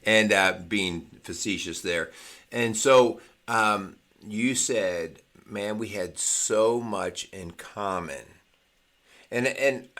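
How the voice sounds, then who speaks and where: A middle-aged man in casual podcast conversation, earnest and fond of repeating key phrases. His voice sits fairly low but sounds bright and forward. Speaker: co-host of a Christian marriage podcast.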